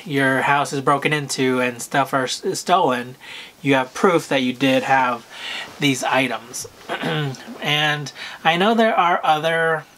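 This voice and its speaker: A man talking casually to camera about luxury purchases, with a soft, soothing voice and a hesitant manner full of pauses and fillers. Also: medium pitch. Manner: unhurried, hesitant, full of "um" and "you know", frequent throat clearing. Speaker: luxury fashion vlogger.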